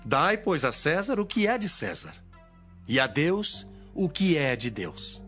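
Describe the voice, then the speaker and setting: A Brazilian man playing an authoritative teacher, measured and declamatory, in a dramatized audio Bible. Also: fairly high pitch, very animated, fairly bright tone, faint music behind, full character voice. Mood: authoritative teaching.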